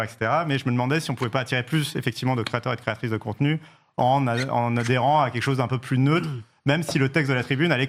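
A man in his thirties, a journalist, talking through his reasons in a political discussion, with many fillers and restarts. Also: medium pitch. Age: 30s. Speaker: journalist and campaign organizer.

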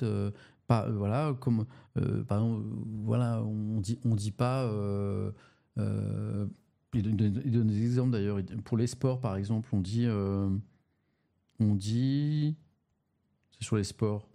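A man with a fairly low, creaky, mellow voice hosts a casual live stream reviewing the morning papers. He speaks haltingly, often restarting and repeating words, and puts questions to his audience.

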